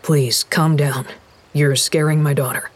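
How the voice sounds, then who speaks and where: A woman voicing a calm, firm middle-aged father in a lowered, steady, soothing voice. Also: unhurried, breathy edge.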